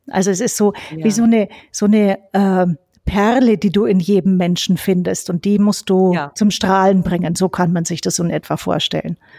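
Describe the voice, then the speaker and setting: In a plain, everyday voice, a woman speaks at a moderate pace with fairly even intonation and medium pitch. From Bavaria, near Munich. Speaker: coach and podcast co-host. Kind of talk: casual chat.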